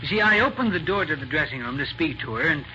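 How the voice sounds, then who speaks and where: An actor playing a polite, businesslike nightclub manager in a 1940s radio drama. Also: male voice, fairly high pitch, animated, fast, close to an everyday voice. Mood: explanatory. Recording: muffled, noisy 1940s radio recording.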